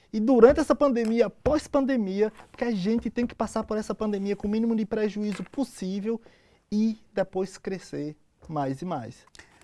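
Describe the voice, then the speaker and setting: In a Bahian accent, a man with a dark, mellow tone speaks at a high pitch and a moderate pace with ordinary pitch variation, dry and close with no echo on a very clean recording with a silent background. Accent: Bahian northeastern. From Bahia sertão, Brazil. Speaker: scientist, researcher. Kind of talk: interview. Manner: halting, repeats words.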